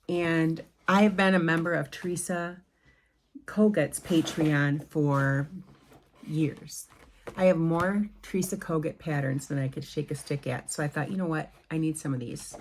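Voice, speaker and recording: A woman's voice: deep voice, a little hiss or hum. A middle-aged woman chatting casually at home about her cross-stitch patterns, rambling with many ums and restarts. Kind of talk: casual show-and-tell chat.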